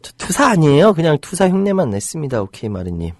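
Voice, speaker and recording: Animated, indignant Korean man broadcasting. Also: on the high side, fast talker, no echo, clean studio sound. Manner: heated, indignant outbursts about rights; chatty, jokey with commenters. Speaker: internet radio host reading listener comments. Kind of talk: live chat with listeners.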